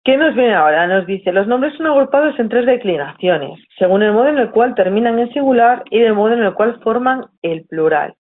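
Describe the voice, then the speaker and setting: Una profesora con acento de España explica con paciencia a sus alumnos, les pregunta a menudo si lo siguen y se corrige a media frase. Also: female voice, a little high, lively intonation, moderate pace, hardly any pauses, husky. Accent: Spain Spanish. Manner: patient, checks in often, corrects herself mid-sentence. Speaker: teacher. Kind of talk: explanatory lesson to students. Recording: tinny phone-like audio.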